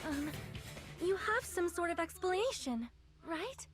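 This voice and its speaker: A woman's voice: very high voice, lively intonation, a little slow. An actress voicing an anxious, sweet teenage girl in a video game, hesitant and pleading. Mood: worried. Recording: very loud game music behind the voice.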